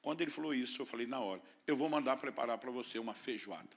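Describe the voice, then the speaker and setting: A pastor with a Brazilian Portuguese accent preaches in a rapid-fire, medium-pitched voice, blending teaching with funny personal anecdotes. He comes across as a storytelling preacher with a playful sense of humor. There's slight background noise.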